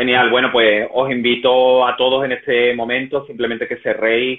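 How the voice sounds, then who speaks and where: A man at a moderate pace. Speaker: numerologist. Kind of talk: interview; guided meditation.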